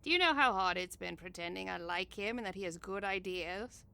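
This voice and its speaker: A woman's voice: medium pitch, a little fast, gravelly, bright, forceful tone, clean tone. A woman playing a cold, sardonic, ruthless schemer in an audio drama, with a smug, mocking manner. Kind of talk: audio drama comedy acting.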